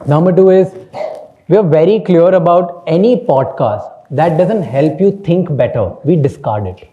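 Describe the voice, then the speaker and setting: An Indian man with a very dark, mellow voice speaks on a panel, his first language Hindi, mixing in Hindi phrases and laughing as he talks. The sound is dull and lo-fi. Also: a little high, lively intonation, moderate pace. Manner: candid, switches between English and Hindi, laughs often. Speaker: podcast host on a panel. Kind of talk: panel talk.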